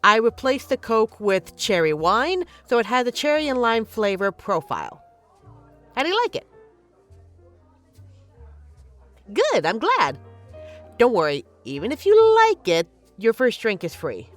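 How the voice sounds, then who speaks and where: A woman's voice: on the high side, wildly swooping pitch, normal speed, faint music behind. A woman playing a flirty, teasing but caring bartender in an intimate, conversational audio roleplay. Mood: playful, proud. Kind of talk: intimate scripted roleplay, ASMR-like.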